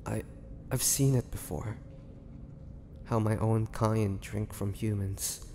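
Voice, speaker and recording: A man playing an ancient, gentle and wistful male vampire in an intimate audio roleplay, speaking haltingly with measured pauses. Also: fairly low pitch, fairly even intonation, slight background noise. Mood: earnest, pleading.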